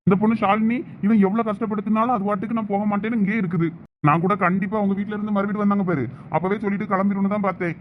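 High-voiced young man, coaxing, lo-fi. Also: fairly even intonation, very fast, a little hiss or hum. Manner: pleading, coaxing, playful. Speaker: sketch actor. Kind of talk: comedy skit acting. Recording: dull lo-fi recording.

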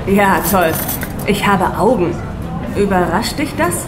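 Woman playing a sarcastic cafeteria lady, brisk and direct, echoey, music and clinking dishes behind, audio drama. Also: mid-range voice, expressive. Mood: snappy, sarcastic. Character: sassy, blunt canteen serving woman. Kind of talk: German audio drama acting. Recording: roomy echo. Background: music, clinking dishes and cutlery.

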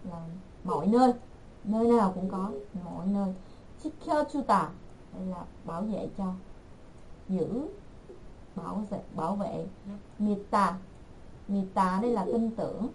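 A woman teaching an online language class, repeating words slowly and patiently for her learners. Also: medium pitch, darkish tone, a little hiss or hum, poor audio.

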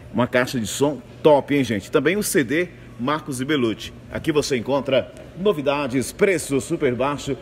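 A man gives a live hard-sell advertising pitch as a supermarket announcer, urging and repetitive, into a handheld mic. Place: large supermarket floor, indoors. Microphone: handheld microphone, phone video. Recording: clear store ambience noise.

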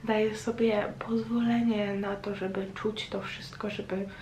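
A woman talking casually to her vlog audience in a hesitant, reflective way, with frequent pauses. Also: medium pitch, flat delivery, darkish tone. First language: Polish. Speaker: vlogger. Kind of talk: casual chatty personal vlog monologue. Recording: roomy echo, faint background noise.

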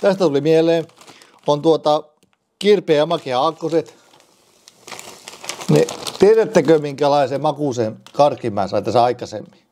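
Rambling man with a mellow voice. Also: on the high side, slight background noise. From Finland. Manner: rambling, halting, restarts words, jokey. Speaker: vlogger. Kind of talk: rambling casual vlog.

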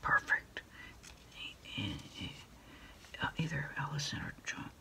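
A middle-aged woman in a quiet ASMR roleplay as an order taker, murmuring in a halting, breathy whisper. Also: sits low, lively intonation. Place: small indoor room at a desk.

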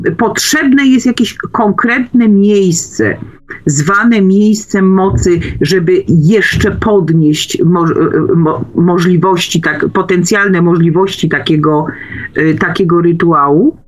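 A man hosting a conversational radio interview, speaking haltingly with frequent pauses mid-phrase. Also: high voice, low-quality recording. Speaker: radio host.

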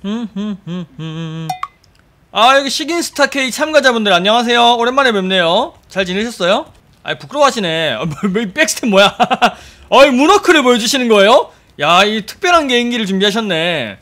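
A man giving playful, jokey commentary while playing a game, talking to the characters and bursting into loud excited exclamations, with game music behind him. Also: extremely high pitch, fairly quick. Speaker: game streamer. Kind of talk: casual gameplay commentary.

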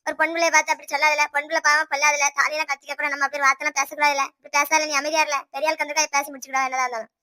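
A very high, bright cartoon voice of a village mother-in-law, with a Tirunelveli Tamil accent. She fires off scolding lines at breakneck speed, sharp and relentless. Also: little pitch movement. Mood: stern. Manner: sharp, scolding, rapid-fire. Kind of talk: cartoon voice acting.

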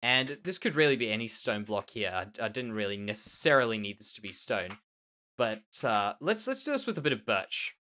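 Here the Australian Minecraft host talks a little fast in a sharp, low-leaning, very animated voice. Nasal and slightly tender, he repeats words and muses while casually commenting on his own building.

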